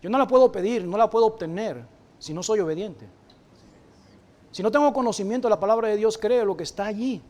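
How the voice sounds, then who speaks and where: A man preaching a church sermon to his congregation, moving from hushed, slow phrases to loud, emphatic declarations. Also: high voice. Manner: addresses the congregation directly and calls people up to the front.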